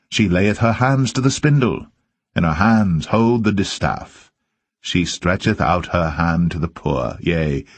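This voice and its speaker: A man reading scripture aloud as solemn narration, with measured and deliberate phrasing. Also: deep voice, breathy edge, no echo. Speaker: Bible reader.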